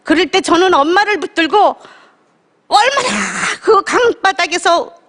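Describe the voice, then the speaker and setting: A woman's voice: very high-pitched, animated, a little slow, a bit bright, in a large hall. A woman giving an emotional, conversational lecture about her own life on stage. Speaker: lecture guest speaker. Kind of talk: emotional personal storytelling lecture. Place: lecture stage before an audience.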